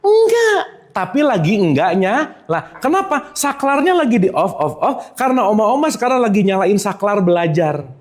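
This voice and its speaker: Lively man teaching. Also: sits high, moderate pace. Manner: lively, keeps quizzing the audience. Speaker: religious teacher. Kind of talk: informal spiritual lecture to a live audience.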